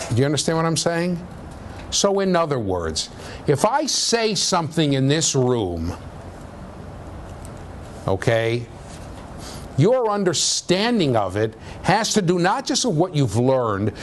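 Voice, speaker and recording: A man lecturing a university class in a conversational way, with a low voice, often checking in with "okay?". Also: big pitch swings, slow, a little hiss or hum. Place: lecture room.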